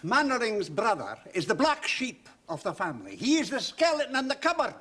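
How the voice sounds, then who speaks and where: Give me a gloomy, doom-mongering old soldier in a 1970s sitcom. His dramatic, scornful voice sits high and swoops a lot. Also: huge pitch swings, brisk, a bit bright, heavily acted.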